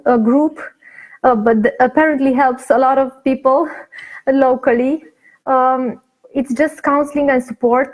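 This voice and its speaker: A woman from Romania, a guest answering in an interview over a video call, pausing often with fillers. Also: fairly high pitch, darkish tone, rough recording. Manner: hesitant, many fillers and restarts. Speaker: guest, patient advocate.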